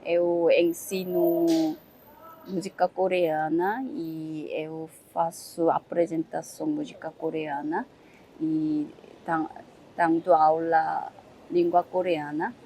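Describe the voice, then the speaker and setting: Korean woman speaking her second language, super slow, lots of pauses and little fillers, bit of background noise. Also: low-pitched, flat delivery, dark tone. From South Korea. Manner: halting, searching for words with many "ó" fillers. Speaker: interviewee. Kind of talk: casual interview answers.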